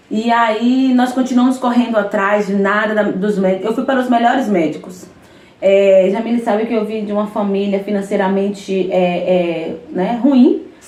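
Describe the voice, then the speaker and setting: The speech has ordinary pitch variation and is heard over noticeable background noise. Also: woman, medium pitch for a woman, moderate pace. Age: 30s. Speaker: justice of the peace and worship minister. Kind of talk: testimony.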